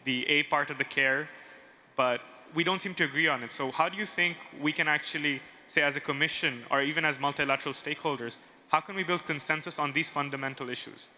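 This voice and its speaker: A young man from Bangladesh asks a panel a question from the audience. His voice is very bright and a little high, and he speaks politely and earnestly. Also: a little fast. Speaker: audience member asking a question.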